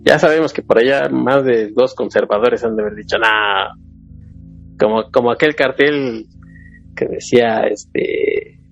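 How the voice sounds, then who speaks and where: A gravelly, creaky man hosts a relaxed podcast chat and asks easygoing questions. The recording sounds a bit dull and lo-fi, with faint music underneath. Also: mid-range voice, unhurried. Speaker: podcast host.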